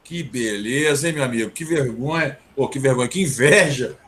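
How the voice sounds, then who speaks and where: A man's voice: medium pitch, lively intonation, moderate pace, a bit bright. A man with a Brazilian accent hosting a casual interview in an informal, bantering way. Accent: Brazilian Portuguese. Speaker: interview host. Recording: faint background noise.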